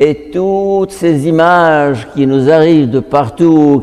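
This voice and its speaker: At a very slow pace, a man with a fairly high pitch talks over noticeable background noise. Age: 80s+. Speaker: Jesuit priest. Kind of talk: sermon. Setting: church.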